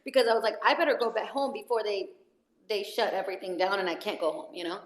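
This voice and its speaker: A woman's voice: mid-range voice, steady tone, quick pace. Chatty woman, roomy echo. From El Salvador. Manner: rambling, many fillers and restarts. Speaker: actress. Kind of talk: casual video chat.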